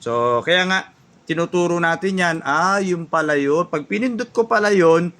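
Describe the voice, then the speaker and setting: A man's voice: high-pitched, moderate pace, a bit bright. A man teaching audio mixer basics to beginners in a chatty way, often asking "no?" and acting out what beginners think. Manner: chatty, keeps asking "no?", acts out beginners' thoughts; jokes and laughs at himself. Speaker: audio mixer tutorial host. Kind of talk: casual spoken lesson.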